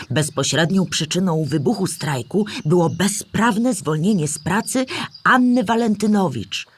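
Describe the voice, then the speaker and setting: Clear-spoken female storyteller for children. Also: deep voice, full character voice. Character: Historyjka, female storyteller explaining Polish history to children. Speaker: narrator of a children's audio drama. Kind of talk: scripted educational narration for children.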